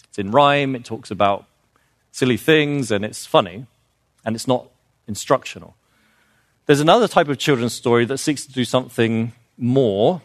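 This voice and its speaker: Speaking at a medium pitch, this children's literature speaker delivers an earnest, informal talk full of fillers and restarts, pressing harder whenever he reaches a key point. It's a clean studio recording without echo.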